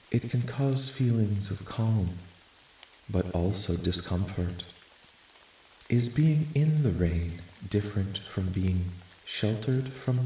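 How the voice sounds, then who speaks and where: A man voicing a calm, curious, clinical alien researcher in a soft-spoken ASMR roleplay, with measured, formal, detached questioning. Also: lowish voice. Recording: roomy echo, light background noise.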